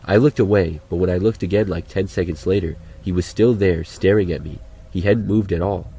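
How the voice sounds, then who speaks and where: A man's voice: low-pitched, steady tone, fairly quick, mellow, slight background noise. A man narrating a first-person creepy story in a plain, matter-of-fact way.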